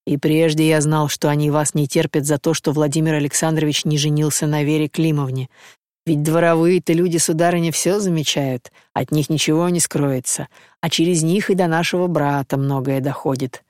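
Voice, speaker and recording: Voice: mid-range voice, steady tone, normal speed, darkish tone, no echo, studio quality, close to an everyday voice. A reader voicing a humble middle-aged male gypsy chieftain in an audiobook, speaking deferentially in a folksy, homely way.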